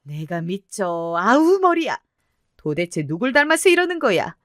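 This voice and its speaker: A woman's voice: medium pitch, big pitch swings, measured pace, fairly bright tone, dry recording, clean studio sound. A woman voicing an exasperated middle-aged mother who scolds and sighs. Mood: frantic. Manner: scolding, sighing, exclaiming.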